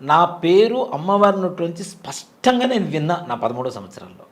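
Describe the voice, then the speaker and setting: Brisk, higher-voiced man in his forties. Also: sing-song. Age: 40s. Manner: vivid, earnest storytelling. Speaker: temple priest and devotional guest. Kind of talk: storytelling in a casual interview.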